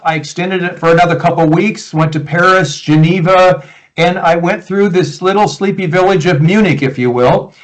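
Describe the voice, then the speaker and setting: A man in his sixties with an American Midwest accent, a guest coach answering interview questions in a relaxed, reflective way over a video call. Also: sits high, low-quality recording. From United States, Iowa. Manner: relaxed, reflective, with frequent restarts.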